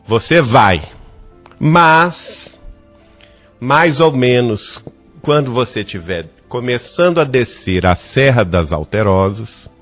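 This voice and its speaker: A man voicing an elderly, gentle medium who speaks with soft, fatherly warnings. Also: mid-range voice, lively intonation, takes it slowly, soft background music. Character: elderly gentle male medium, calm and protective.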